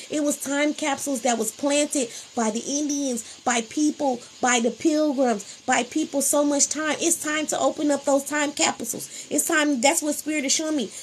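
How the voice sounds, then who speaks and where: Lady on a phone livestream, preachy and repeats herself, pitch kinda high. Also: slight background noise, low-quality recording. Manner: preachy, drawling, emphatic repetition. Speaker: spiritual livestream host. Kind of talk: casual spiritual livestream talk.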